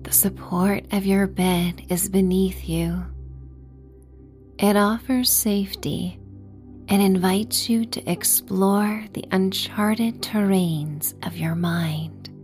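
A woman narrating a sleep story and guided meditation softly and gently, with a breathy voice that drifts near a whisper. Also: mid-range voice, steady tone, soft background music. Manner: slow, gentle, measured. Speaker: podcast host and meditation guide.

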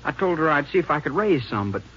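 An uneasy young small-town American in a radio western, with a fairly high voice. He speaks haltingly and pleadingly. The old recording is muffled. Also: big pitch swings, a bit bright. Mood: anxious confessing. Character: nervous, hesitant young small-town man under questioning. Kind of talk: 1950s radio acting.

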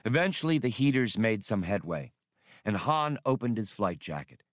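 A man's voice: lowish voice, very animated, normal speed, no room sound, clean studio sound. A man reading an adventure novel aloud as scripted narration. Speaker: audiobook narrator.

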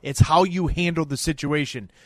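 This is an energetic male co-host on sports radio with a slightly high voice, joking and pushing his points with bursts of volume. The sound is dry and close-miked. He comes across like an analyst riffing with a friend. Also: normal speed, no room sound. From Minnesota. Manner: energetic, jokey, swings between loud and soft. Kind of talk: sports talk radio banter.

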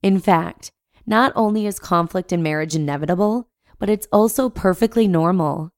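A woman hosts a podcast and reads a post aloud in a lowish voice. She sounds a bit congested from a cold, with friendly, chatty asides. Her voice is dry and close to the mic. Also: normal speed, no room sound. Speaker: podcast host and narrator. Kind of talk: reading a blog post aloud.

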